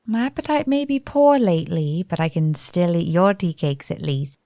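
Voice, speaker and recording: An actress playing a frail young woman who sleepwalks, speaking softly in formal period English in a radio play. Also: lowish voice, animated, moderate pace, no room sound, clean studio sound. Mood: gentle. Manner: soft, earnest, period-formal speech.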